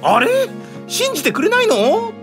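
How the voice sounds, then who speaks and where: An actor playing an easygoing, quietly confident male stage director with a breezy, playful manner in a voice drama. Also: very high voice, wildly swooping pitch, moderate pace, over music, heavily acted. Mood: light, reassuring. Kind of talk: anime-style voice drama acting.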